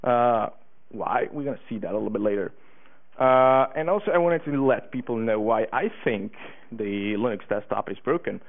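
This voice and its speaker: A man's voice: medium pitch, normal speed, creaky. Eighteen-year-old man giving a conference talk. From Hungary. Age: teens. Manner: eager, many uh fillers and restarts. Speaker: conference speaker. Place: conference room. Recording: tinny phone-like conference recording.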